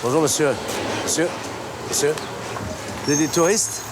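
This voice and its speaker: A man pulling hidden-camera pranks on strangers outdoors, playing a naive stranger with a deadpan delivery. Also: fairly high pitch, normal speed. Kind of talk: street prank banter. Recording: outdoor street noise behind.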